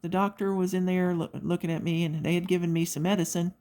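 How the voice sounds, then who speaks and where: A middle-aged woman with a slightly low voice hosts a craft session, chatting casually as she works. She tells stories in an animated, chatty way and slips into little quoted voices. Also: quick pace. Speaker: craft video host. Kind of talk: casual chat while diamond painting.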